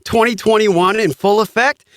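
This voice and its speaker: A man's voice: high voice, moderate pace, fairly bright tone, dry recording, clean studio sound. A man hosting a podcast, speaking in a casual, conversational way to guests and listeners. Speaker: podcast host. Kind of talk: podcast introduction and casual chat.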